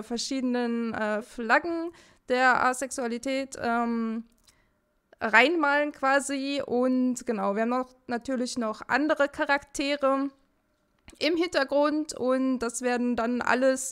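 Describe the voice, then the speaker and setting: Clear, high-voiced woman streamer. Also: a bit bright. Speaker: host streamer. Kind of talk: casual livestream chat.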